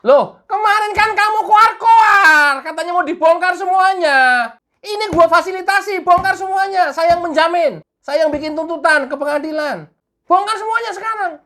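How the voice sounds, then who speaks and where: A woman voicing an angry male investigator who grills a witness, loud and scolding with rapid repeated demands. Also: very high-pitched, pitched above the performer's own voice.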